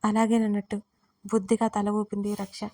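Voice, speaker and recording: A woman narrating an audio drama in a calm, measured way. Her voice is mellow and dark, and her pitch stays flat and even. She reads steadily from a script. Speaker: storyteller.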